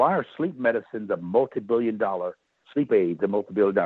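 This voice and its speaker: Very fast and lively in intonation, a man speaks at a medium pitch. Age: 60s. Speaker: bishop and author. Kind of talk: casual chat.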